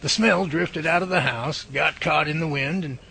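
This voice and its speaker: A man's voice: fairly high pitch, normal speed, gravelly, sharp tone, a little hiss or hum. A man playing a folksy, confident research professor in a radio drama, explaining things and taking charge. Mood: wry, explanatory. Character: folksy, confident professor leading Bigfoot research, good-humored.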